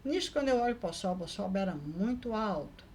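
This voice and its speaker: A woman vlogger telling a personal story in a casual, lively way, often adding quick tag questions. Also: medium pitch, a little hiss or hum. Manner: lively, acts out the people in her story.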